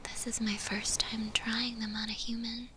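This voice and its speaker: A woman playing a shy, gentle, lovestruck zombie girl in an intimate ASMR roleplay, speaking hesitantly and tenderly. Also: a little high, little pitch movement, moderate pace, slight background noise.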